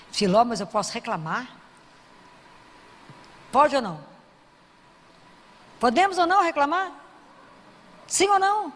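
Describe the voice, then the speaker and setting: A woman preaching with a high voice, asking her listeners question after question. Her words ring with a long reverb through a large hall. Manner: asks the audience questions, acts out prayers in a softer voice. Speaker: Christian speaker. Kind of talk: sermon.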